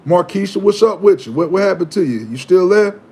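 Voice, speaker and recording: A man hosting a live stream, chatting casually and preaching, animated and given to repeating himself. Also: high-pitched, a little fast, breathy edge. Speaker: livestream host.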